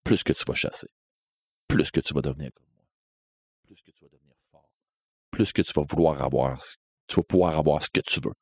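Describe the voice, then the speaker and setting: A man with a Québécois accent voicing a tall, gaunt, menacing stranger in black, speaking slowly, low and hushed. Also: no echo. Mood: ominous. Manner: slow, low, hushed and ominous.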